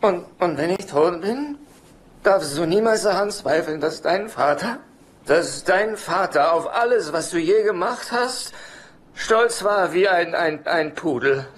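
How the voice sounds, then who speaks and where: An actor playing a needy, whiny dad who talks in a hesitant, indignant stammer, in a German-dubbed TV sitcom. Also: male voice, high voice, lively intonation, a little slow. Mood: drunk, maudlin. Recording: noisy TV soundtrack with studio laughter.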